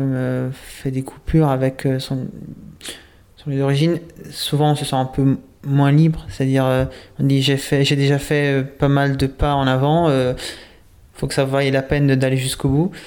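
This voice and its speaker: A man speaks in a fairly high voice with monotone, flat intonation. His pace is fairly slow. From Italy. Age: 20s. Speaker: seminarian in vocational discernment year. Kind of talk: interview testimony. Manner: halting, with frequent repetitions and hesitations.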